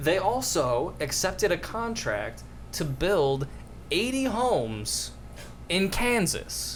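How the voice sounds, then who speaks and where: A man with an American accent speaks at a very slow pace, with audible room echo. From US Midwest. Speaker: podcast co-host. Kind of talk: casual chat.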